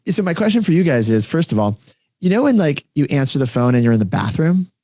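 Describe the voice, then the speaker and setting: A man talks quickly as a podcast co-host in a casual, chatty way. His delivery rambles and is peppered with informal slang. The sound is dry, with almost no room in it. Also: on the high side, big pitch swings, dark tone, no room sound. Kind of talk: casual chat among friends.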